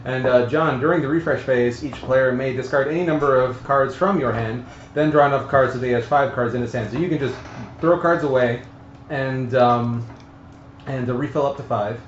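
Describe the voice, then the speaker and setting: A man hosting a casual live tabletop game stream, explaining rules in a halting, flustered way. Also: mid-range voice. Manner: halting, flustered delivery with repeated false starts. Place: echoey room with several mic stands. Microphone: stand mic. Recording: echoey, dull room recording with faint noise.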